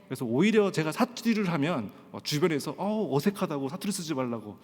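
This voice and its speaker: A male pastor from Pohang in South Korea, telling stories in a sermon at a Friday prayer meeting and often filling pauses with a short "yes". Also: on the high side, sing-song, a little mellow. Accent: standard Korean, trained out of Gyeongsang dialect. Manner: storytelling with frequent "예" fillers and acted-out quotes. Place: church sanctuary. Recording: long church-hall reverb.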